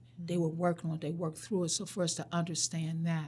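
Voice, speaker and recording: This woman's voice sits fairly low in pitch, somewhat breathy, with a dark, mellow tone. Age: 70s. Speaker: community educator and advocate. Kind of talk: casual interview conversation.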